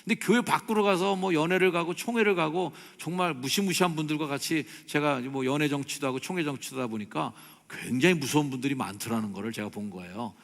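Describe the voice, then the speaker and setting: A middle-aged male pastor preaching a sermon, swinging between loud, animated exclamations and soft, prayerful passages. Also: a little high, fast, vocal fry, hardly any pauses. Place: church sanctuary. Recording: long church hall reverb.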